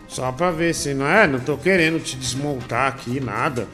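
A man's voice: medium pitch, moderate pace, bright, forceful tone, faint music behind. A man hosting a comedy show, reading viewer messages aloud in a rambling, joking way. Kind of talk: reading superchats, bantering.

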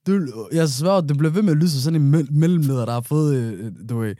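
A man's voice: fairly high pitch, dark tone, no echo, clean studio sound. A young man co-hosting a casual chat in a playful, teasing way.

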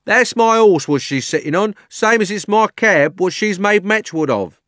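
A man's voice: high-pitched, animated, moderate pace, a bit bright, no echo, studio quality, voice pushed up. A man voicing a blunt but kindly London cabby with a Cockney accent, in a storybook reading. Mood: urgent, insistent. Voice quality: working-class speech with added aitches. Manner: urgent, coaxing, plain-spoken.

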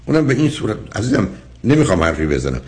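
A man's voice: fairly low pitch, very animated, a little mellow. An older man hosting a call-in counseling show, talking to callers in a blunt, teasing, lecturing way. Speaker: counselor host. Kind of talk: call-in advice talk.

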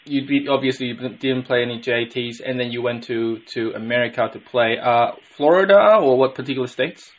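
A man's voice: medium pitch, fairly quick, hardly any pauses, muffled recording. An Australian man hosting a podcast interview, asking long, rambling questions with many restarts. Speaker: podcast host. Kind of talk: casual interview.

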